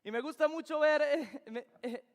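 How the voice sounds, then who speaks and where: Man, young adult, very high voice, earnest emphatic preaching, long church-hall reverb. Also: moderate pace. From Venezuela. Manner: earnest, emphatic, repeating key phrases. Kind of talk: sermon. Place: church sanctuary.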